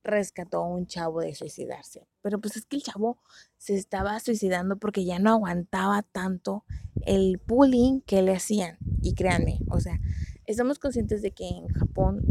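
A woman's voice: mid-range voice, normal speed, gravelly, background noise. A young Mexican woman chatting casually about dramas and dating limits, slangy and self-mocking. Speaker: vlogger.

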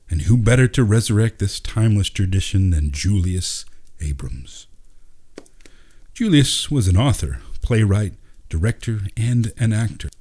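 A man's voice: on the low side, dark tone, husky. A man narrating a scripted family story as a storyteller.

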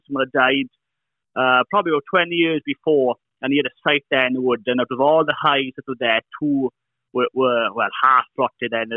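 A Welsh man, a beekeeper speaking Welsh as his first language, chatting relaxed and repeating himself as he tells his story over a call. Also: mid-range voice, dry recording. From Wales. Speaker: beekeeper guest. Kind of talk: casual interview over a call. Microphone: remote call. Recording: tinny phone-like call line.

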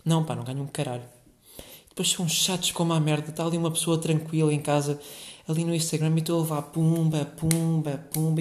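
Young guy w/ portuguese-from-portugal accent, kinda high voice, rambling and cursing, echoey room. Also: a little mellow. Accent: European Portuguese. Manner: rambling, swears freely, many filler words. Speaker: podcast host. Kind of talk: casual solo podcast monologue.

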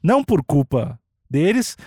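A man's voice: a little high, sing-song, unhurried, warm tone, husky, no room sound, clean studio sound. A man with a Brazilian accent co-hosting a comedic podcast, voicing faux-cautious accusations in a mock-earnest tone. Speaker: podcast co-host. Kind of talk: comedic mock-serious news chat.

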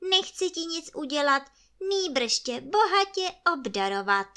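A woman's voice: high voice, very animated, sharp tone, pitched above the performer's own voice, full character voice. A woman voicing a male spirit trapped in a bottle, who wails to be let out and then bargains with promises. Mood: coaxing. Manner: wailing, then coaxing and bargaining.

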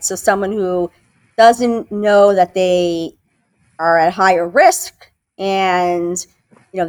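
A woman hosting a medical interview, asking questions and confirming answers. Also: mid-range voice. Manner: inquisitive, confirming, friendly follow-ups.

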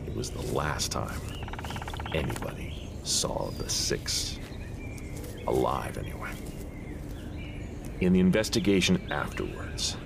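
Deputy marshal, audio drama, male actor: rock-bottom bass, gruff, deliberate storyteller, clear background noise. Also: heavily acted. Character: gruff, pious, protective deputy marshal telling a campfire-style story.

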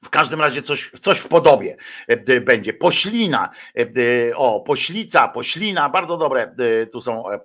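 Guy rambling on a live stream, bright punchy voice, lots of umms and crude slang. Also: medium pitch, big pitch swings, measured pace. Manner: rambling, full of hesitations, crude slangy asides. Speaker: streamer commenting live on a parliament session. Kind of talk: casual live-stream commentary.

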